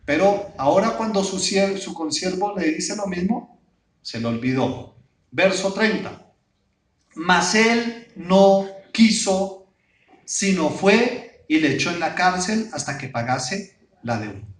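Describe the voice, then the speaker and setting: A man's voice: high voice, animated, measured pace, far from the mic. A pastor preaching a sermon, putting rhetorical questions to his congregation. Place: church hall. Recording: echoey church hall, voice off-mic.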